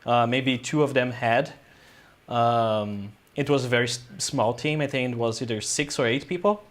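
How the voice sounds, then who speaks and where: Man, guest filmmaker, casual interview, rambling storytelling, mid pitch. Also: moderate pace. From Brazil. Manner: loose, rambling storytelling with frequent "uh" and "um".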